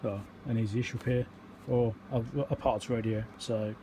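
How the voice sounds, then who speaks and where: A man's voice: medium pitch, flat delivery, normal speed, mellow, a little hiss or hum, low-quality recording. A man giving a casual technical explanation as a repair video host, rambling and matter-of-fact as he thinks aloud.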